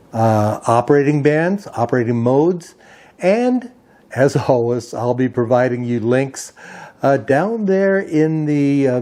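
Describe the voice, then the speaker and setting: Male host, slow measured pace, soft-edged dark tone, methodical informational explainer. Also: mid-range voice. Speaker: host of a ham radio video channel.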